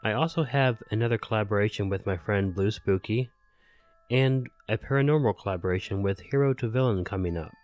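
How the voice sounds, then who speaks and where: A man's voice: fairly low pitch, a little mellow, no room sound. A man hosting his channel, stuffed up from a cold, giving a polite and earnest sign-off to viewers. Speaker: channel host and narrator. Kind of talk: outro address to viewers.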